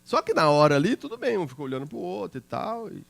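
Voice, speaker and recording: Male pastor, middle-aged, animated sermon storyteller, a touch of vocal fry. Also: on the high side, quick pace. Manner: chatty storytelling, checking in with listeners. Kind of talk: sermon with personal anecdotes.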